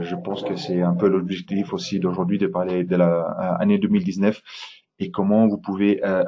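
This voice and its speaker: A man's voice: low voice, darkish tone, lo-fi sound. A man from Italy speaking French with an Italian accent, giving a webinar presentation, hesitant with many fillers and restarts.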